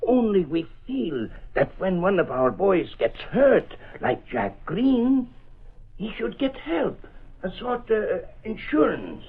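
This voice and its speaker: A halting, husky laborer. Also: male voice, sits high, sing-song, heavily acted. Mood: earnest. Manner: halting, folksy working-class speech. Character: plain-spoken male street laborer on strike. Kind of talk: 1930s radio drama acting. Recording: tinny old radio broadcast.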